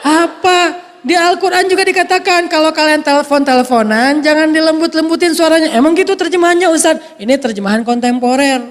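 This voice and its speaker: A man giving a humorous sermon, acting out little scenes with a soft voice that people often take for a woman's. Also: very high-pitched, fairly quick, long reverb tail. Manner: playful, acts out little scenes. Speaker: preacher.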